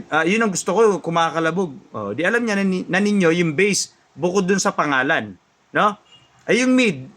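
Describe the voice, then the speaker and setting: A man's voice: high-pitched, sharp tone. A man teaching audio mixer basics to beginners in a chatty way, often asking "no?" and acting out what beginners think. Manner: chatty, keeps asking "no?", acts out beginners' thoughts; jokes and laughs at himself. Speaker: audio mixer tutorial host. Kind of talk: casual spoken lesson.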